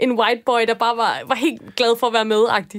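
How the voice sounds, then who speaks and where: A woman's high-pitched voice at a moderate pace. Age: 30s. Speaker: radio host. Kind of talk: casual chat. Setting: studio.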